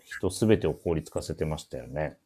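Male host, deep voice, casual radio chat, drily teasing co-presenters. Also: animated, a little fast, warm tone, slight background noise. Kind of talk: casual talk show chat with event announcements.

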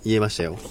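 Male streamer, low voice, casual and self-deprecating, trips over his words. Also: slight background noise. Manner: laughs often, polite and self-deprecating, stumbles over words. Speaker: live stream host. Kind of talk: casual live chat.

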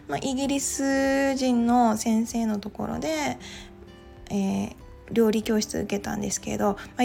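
This podcast host, a Japanese woman, rambles in a relaxed solo talk, often dropping in "well" as a filler. Her voice sits high and carries vocal fry.

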